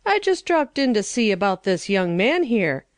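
A woman's voice: medium pitch, very animated, normal speed, no room sound, lightly acted. A woman voicing a flustered middle-aged male neighbor who stammers. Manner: flourishing then stammering.

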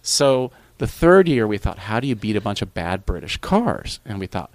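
A man's voice: fairly low pitch, normal speed, no room sound. A man telling a long anecdote in casual conversation, with many restarts. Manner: animated, rambling with restarts. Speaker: guest. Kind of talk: casual storytelling.

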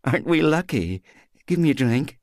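A brittle, tipsy young mother gushes in a high, swooping voice, as a man puts her on. Her pitch jumps wildly from line to line. The sound is close and dry. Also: lively intonation, moderate pace, dry recording. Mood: giddy.

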